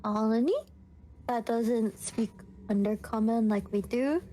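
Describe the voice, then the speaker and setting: A woman's voice: on the high side, fairly even intonation, unhurried, mellow, slight background noise. A woman playing a tabletop role-playing game, improvising casual dialogue in an informal, hesitant way.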